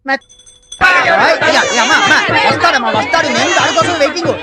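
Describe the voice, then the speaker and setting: A man acting as a fussy grocery shop owner who scolds his worker in a quick, excitable comic way, with film music behind. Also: very high-pitched, over a noisy crowd. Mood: fretting. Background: film background music.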